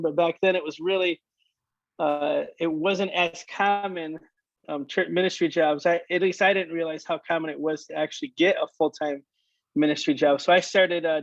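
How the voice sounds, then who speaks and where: This late-thirties worship leader from Michigan speaks on the high side with fairly even intonation, on a dry, lo-fi recording. His casual chat about his life is halting, with frequent restarts and fillers.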